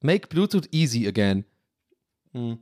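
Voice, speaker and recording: Young male podcast host, casual chatty rants, dry close mic, mid pitch. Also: sing-song, unhurried, a little mellow, no echo. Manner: rambling, ranting, swearing casually. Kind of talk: casual solo podcast chat.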